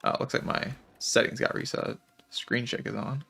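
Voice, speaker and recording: A man livestreaming a game and chatting casually, with heavy vocal fry, a low-energy hesitant delivery and a voice strained by a lingering cough. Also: steady tone, normal speed, pushed and bright, soft background music. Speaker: game streamer. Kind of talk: casual livestream chat while playing a game.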